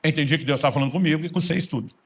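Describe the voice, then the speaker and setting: A man's voice: a little high, very fast, breathy edge. A man with a Brazilian Portuguese accent, preaching a sermon as a pastor and telling stories fervently.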